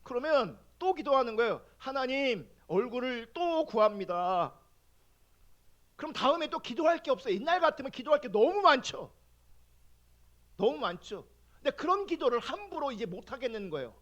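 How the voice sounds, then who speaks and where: A male pastor giving a sermon, telling a personal testimony and acting out his own prayers in an animated way. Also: very high-pitched, fairly quick, highs cut off.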